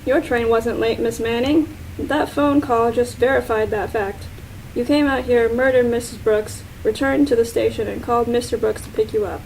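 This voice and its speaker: Woman as composed police inspector, mellow tone, radio mystery acting, formal, faint background noise. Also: on the high side, steady tone, normal speed, creaky, rough recording. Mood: triumphant. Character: composed, probing police inspector closing in on a killer. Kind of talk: amateur radio-play acting.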